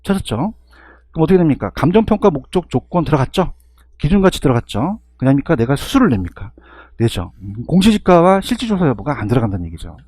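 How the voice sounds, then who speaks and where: A man with a husky voice giving an exam-review lecture, constantly firing rhetorical questions and checking in with his students. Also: fairly high pitch, big pitch swings, fast, darkish tone, no echo.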